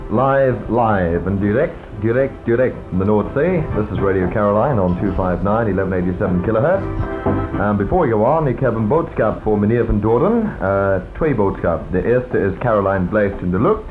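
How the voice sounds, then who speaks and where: A male radio DJ with a low voice, joking lightly between records. The sound is a dull old broadcast recording with music clearly under him. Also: animated, normal speed. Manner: jokey, breezy banter. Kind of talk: live radio presenting.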